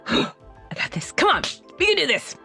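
Giggly woman narrator, lively pitch. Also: creaky. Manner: giggling, breaking up mid-line. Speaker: audiobook narrator. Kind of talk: studio outtakes, reading and laughing.

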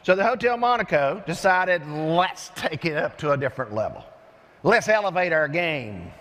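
An older man giving an energetic keynote speech on a large conference stage, telling stories with lively gestures through a headset mic. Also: a little high, normal speed. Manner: animated storyteller with lively gestures. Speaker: keynote speaker. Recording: long hall reverb from arena.

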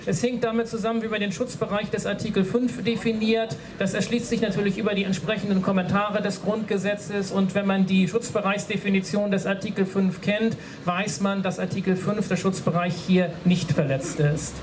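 A man's voice: high voice, level tone, fairly quick, hardly any pauses, noisy background. A man explaining legal points formally to an audience at an outdoor rally, speaking into a handheld microphone. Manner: formal, lawyerly, with hesitant fillers. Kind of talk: explaining law at a public rally. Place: outdoor stage at a street rally. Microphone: handheld mic through PA. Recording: outdoor PA with crowd around.

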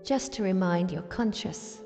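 A woman narrating a scripted guided sleep meditation in a soothing, deliberate manner, with gentle pauses between phrases. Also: mid-range voice. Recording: long reverb, music behind voice. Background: soft music.

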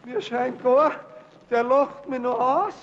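Brief: an old, gouty millionaire peasant, very high and slow, cranky and self-pitying; dull old film sound. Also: male voice, noisy background, full character voice. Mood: grumbling. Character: aged, gout-ridden rich peasant, self-pitying and cranky.

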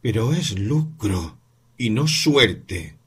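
A man voicing a bitter, weary mother in an audiobook reading, answering slowly and with resentment. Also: on the low side, sing-song, fairly bright tone, husky, full character voice. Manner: slow, bitter, measured replies.

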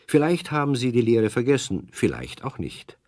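A man's voice: mid-range voice, big pitch swings, normal speed, darkish tone, dry recording, clean studio sound. A man narrating a scripted children's story as a storyteller.

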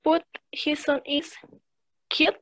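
High, very slow woman student reading aloud. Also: little pitch movement, a bit bright, dry recording. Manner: reads aloud haltingly and carefully.

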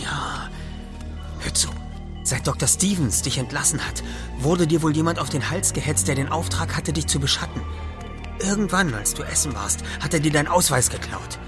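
A man's voice: a little high, animated, moderate pace, over music, lightly acted. A man acting an urgent, conspiratorial rescuer. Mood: grave, revealing. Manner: conspiratorial, dramatic, explanatory. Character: urgent, determined male friend leading a breakout. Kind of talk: German horror audio drama acting.

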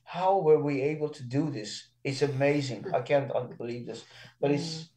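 Iranian-born man in his 60s, mellow. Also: mid-range voice, rough recording. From Iran. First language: Persian and Armenian. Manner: earnest, halting, with many restarts. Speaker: guest. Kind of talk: casual interview.

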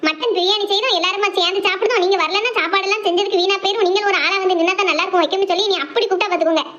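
High-pitched cartoon women, rapid, lo-fi audio. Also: female voice, a bit bright. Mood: grumbling. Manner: fast, high-pitched chatter. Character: young village women, bride and elders.

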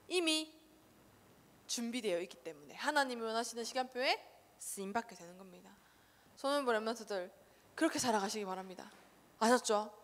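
Animated woman preaching to children in reverberant church. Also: high-pitched. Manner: animated, quizzes listeners with rhetorical questions. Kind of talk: casual sermon to children. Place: church sanctuary. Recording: long reverb of a church hall.

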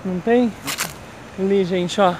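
Brief: high-pitched man, chatty walking vlogger talking to his viewers, handheld phone outdoors with loud street noise. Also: fairly even intonation, measured pace. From Brazil. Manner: chatty, keeps addressing viewers as "gente". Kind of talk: casual walking vlog. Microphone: handheld phone camera while walking. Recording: noisy outdoor phone recording. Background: street traffic and outdoor ambience.

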